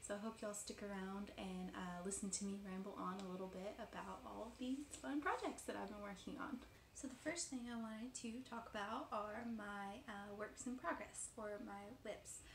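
Light background noise and audible room echo surround a woman who speaks at a moderate pace with ordinary pitch variation. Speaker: craft vlogger. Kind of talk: casual vlog chat. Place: home room. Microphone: phone near.

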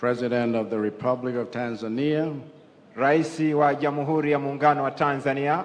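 A man talks fairly slowly, keeping his intonation fairly even. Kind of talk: formal funeral address. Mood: solemn, measured. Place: stadium. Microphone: podium.

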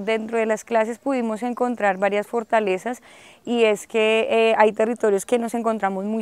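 A woman's fairly high, monotone, flat voice at a moderate pace, in a dry sound with no echo. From Colombia, Cundinamarca (La Calera); Cundinamarca, Colombia. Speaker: farmers' association representative. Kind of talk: testimonial interview. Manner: hesitant with frequent fillers. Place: open country. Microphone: lapel.

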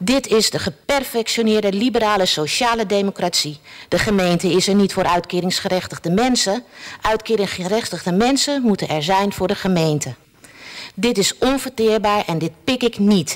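At a moderate pace, a woman speaks with very even loudness and ordinary pitch variation. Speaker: citizen giving public comment. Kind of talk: prepared public statement. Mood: critical, indignant. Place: meeting room. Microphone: podium.

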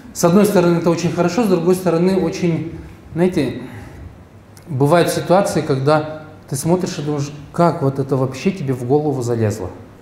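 A high-pitched male voice in a room with audible echo, marked by long, frequent pauses. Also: ordinary pitch variation, fairly quick pace. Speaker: psychology coach leading a training. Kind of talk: live seminar with audience. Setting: stage with audience. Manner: informal, conversational. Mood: relaxed, reflective, wry. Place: hall. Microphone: headset.

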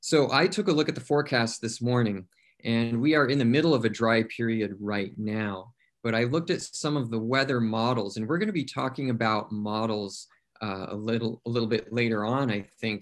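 A man speaks fairly quickly, pitch varying in an ordinary way, with a quiet background behind him. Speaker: guest. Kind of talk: interview answer. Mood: friendly, explanatory. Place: home room. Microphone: video call.

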